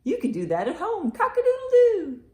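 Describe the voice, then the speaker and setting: With an extremely high voice at a normal speed, this woman runs a children's library storytime of picture-book reading, songs and rhymes. She sings her words in a lively, encouraging way, and the indoor recording echoes.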